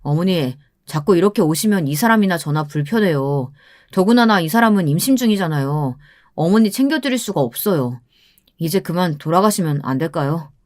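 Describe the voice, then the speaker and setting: A woman's voice: fairly low pitch, animated, fairly quick, a little mellow, no echo, studio quality, lightly acted. A woman voicing a mild young husband who politely pleads with his mother. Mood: pleading.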